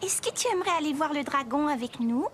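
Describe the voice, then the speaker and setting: A woman's voice: high voice, animated, fast, slight background noise. A woman voicing a confident, friendly six-year-old girl who explains things helpfully in a French preschool cartoon. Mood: explaining.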